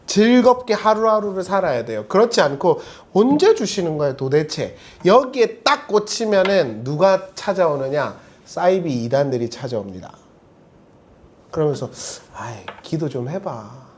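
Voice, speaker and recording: A man's voice: high-pitched, very animated, normal speed, a little hiss or hum. A man preaching a sermon as pastor, talking casually with jokes and acted-out quoted lines. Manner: conversational, jokey, acts out quoted lines.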